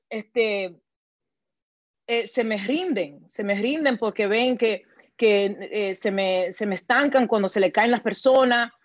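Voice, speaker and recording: A woman with a Dominican accent speaks earnestly as a coach in an interview, often restarting phrases. Her voice comes through a dull, lo-fi recording in a dry space with no room echo. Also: on the high side. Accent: Dominican Spanish. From Dominican Republic. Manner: earnest, repeats words, slips into English. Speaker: guest, team coach. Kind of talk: casual interview answers.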